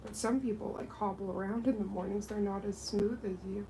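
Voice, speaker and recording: A woman's voice: medium pitch, steady tone, a little fast, gravelly, noisy background. Chatty nail tech, Canadian woman, bubbly, laughs easily, talks while she works. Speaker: nail technician. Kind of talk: casual chat while working.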